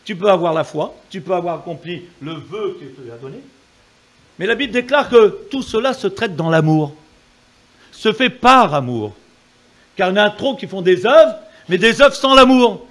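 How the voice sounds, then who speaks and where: A male preacher delivering a fervent sermon in a high voice. His pitch leaps and dives as he presses the congregation for amens. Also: animated, moderate pace, fairly bright tone. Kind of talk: evangelical sermon.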